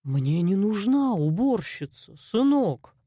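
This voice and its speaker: A woman voicing a cold, menacing male loan shark boss in an audiobook, speaking slowly and mockingly. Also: on the low side, expressive, darkish tone, dry recording. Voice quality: slow, drawling, mocking. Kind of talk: audiobook character voice.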